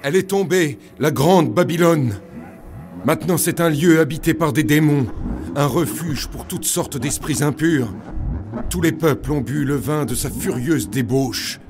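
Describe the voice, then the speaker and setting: An actor playing a biblical prophet of doom, reciting scripture in an ominous, declamatory, incantatory way for an audio drama. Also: male voice, fairly high pitch, unhurried. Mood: thundering, exalted.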